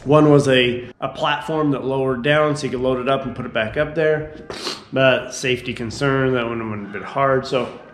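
A man giving a casual home tour, rambling and correcting himself, often clearing his throat. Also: mid-range voice, steady tone, normal speed, a little hiss or hum. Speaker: homeowner giving a house tour. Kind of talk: casual handheld tour narration.

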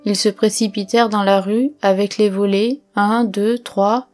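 Woman reading a storybook in an even tone. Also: mid-range voice, measured pace, faint music behind. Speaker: audiobook reader. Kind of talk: scripted narration.

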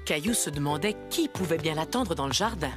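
A woman playing a kindly narrator who reads a children's story in gentle, clearly phrased storytelling. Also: low-pitched, lively intonation, brisk. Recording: music behind the voice.

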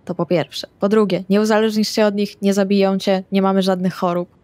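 A woman's voice: mid-range voice, flat delivery, fairly quick, a little mellow, no room sound. A woman playing in a tabletop role-playing game, speaking in casual in-character banter.

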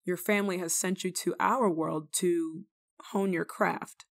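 A woman playing a kindly, rule-breaking nun in an ASMR roleplay, speaking to the listener in a gently teasing, caring manner. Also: on the low side, fairly even intonation, unhurried, gravelly. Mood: amused teasing. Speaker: roleplay voice actor.

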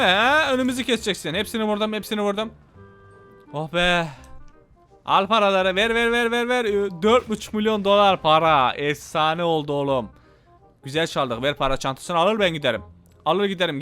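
A young man hosting a gaming channel, narrating his gameplay in an excitable, slangy way, shouting and repeating himself. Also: high-pitched, smooth. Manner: casual slangy banter with teammates. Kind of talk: gameplay commentary.

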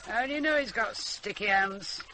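An older actress playing an earthy, scolding country grandmother with a Northern English accent, brisk and dry-witted, in a radio drama. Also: medium pitch, pushed and bright, a little hiss or hum, close to an everyday voice, poor audio. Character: sharp-tongued, earthy old country grandmother. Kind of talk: naturalistic radio drama acting.

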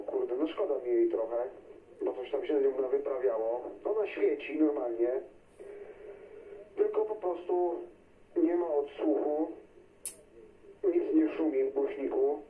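Male, casual CB radio operator, echoey transmission picked up from a distance, unsure, everyday slangy talk. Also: fairly high pitch. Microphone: radio microphone heard through a receiver speaker. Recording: tinny band-limited radio signal, echoey, distant, noisy.

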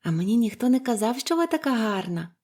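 Voicing a storybook character, a woman brings to life a bubbly little orphan girl who chatters eagerly. The delivery is sing-song and quick, high and bright, far above normal adult pitch and full of bouncing delight.

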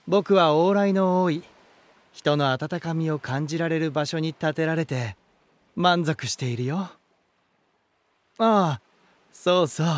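An actor voicing a genial, elegant male lighthouse spirit in a voice drama, telling stories in a theatrical manner. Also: on the high side. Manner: smooth-mannered, theatrical, unhurried storytelling. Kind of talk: Japanese voice drama acting.

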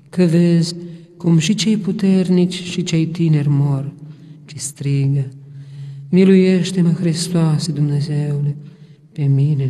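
Male prayer reader, slow and intoning, a dark, mellow tone and a ringing church reverb. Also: a little high. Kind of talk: solemn liturgical prayer reading. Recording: long hall reverb.

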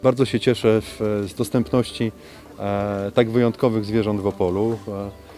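A man speaking as a local official in a statement for local television, halting with frequent hesitation sounds, recorded outdoors at a zoo. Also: on the low side, steady tone, warm tone, soft background music.

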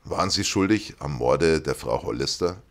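A man narrates an audiobook in a measured, earnest manner. His voice sits very low and deep. The reading is steady storytelling.

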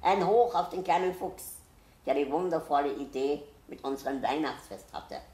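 A woman's voice: deep voice, normal speed, dark tone, pitched above the performer's own voice, natural voice. A woman voicing a solemn, festive female owl in a storybook reading. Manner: hooting, festive. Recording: roomy echo.

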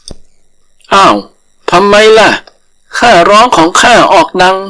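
Man voicing a big earnest elephant, raised pitch. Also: slow pace, gravelly, sharp tone, full character voice, low-quality recording. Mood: indignant. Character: proud but gullible, sorrowful big male elephant. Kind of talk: animal folktale storytelling.

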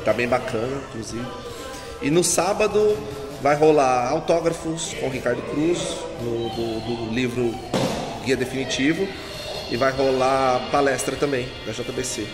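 A relaxed Brazilian man in his forties promotes an exhibition in a casual, chatty way, tossing in filler tags as he talks. His mid-pitched voice is caught on a phone held at arm's length in an indoor pavilion. The room rings with a long reverb, and music plays clearly behind him. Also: measured pace. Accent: Brazilian Portuguese. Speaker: event organizer.

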